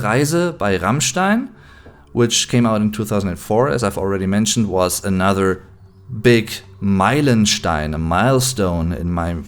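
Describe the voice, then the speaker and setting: Chatty German man in his late twenties. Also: on the low side. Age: late 20s. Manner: chatty, mixes in German words. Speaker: YouTube host. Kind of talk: casual chat to camera.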